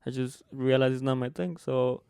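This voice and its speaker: A young man from Durango, Mexico speaks English with a Mexican Spanish accent in a gravelly yet smooth, resonant voice. He talks relaxed and a bit hesitant, leaning on "you know." The recording is dry. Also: mid-range voice, moderate pace, no echo. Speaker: podcast co-host. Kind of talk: casual podcast chat.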